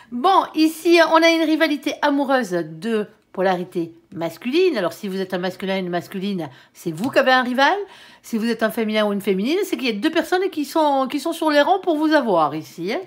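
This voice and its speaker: A woman gives a relaxed, chatty tarot reading, her voice sitting a little high. Her nose is stuffed up, so everything comes out nasal. She keeps dropping small fillers at the ends of her phrases. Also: fairly quick. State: stuffy nose, coming down with a cold. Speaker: tarot card reader. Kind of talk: casual tarot reading to camera.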